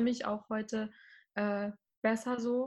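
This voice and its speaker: Somewhat breathy, a woman with a fairly high pitch speaks with fairly even intonation. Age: 20s. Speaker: trainee nurse. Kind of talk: personal testimony in interview. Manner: hesitant, many filler sounds.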